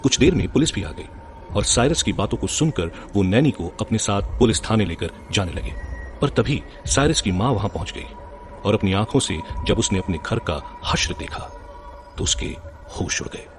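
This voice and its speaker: A man's voice: lowish voice, lively intonation, normal speed, faint music behind, lightly acted. A man narrating a scripted horror drama as a solemn storyteller.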